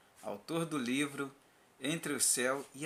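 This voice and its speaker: This man's voice is fairly high in pitch, with a bright, sharp tone. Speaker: pastor. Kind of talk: testimony. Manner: soft-spoken.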